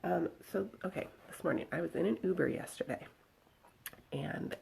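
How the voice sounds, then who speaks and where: A woman chatting casually to followers in a very quiet, half-whispered, scratchy voice so as not to wake anyone, into a handheld phone. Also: lowish voice, moderate pace. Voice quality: scratchy, husky voice. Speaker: vlogger speaking to followers. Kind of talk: hushed casual morning chat. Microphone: handheld phone at arm's length.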